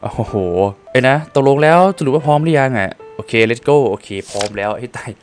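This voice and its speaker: A man's voice: medium pitch, a little fast, faint music behind. A man playing a video game, reading out and translating the dialogue in a casual, joking way. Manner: lively, laughs often, swears casually. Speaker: gaming streamer. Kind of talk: casual let's-play commentary, translating dialogue.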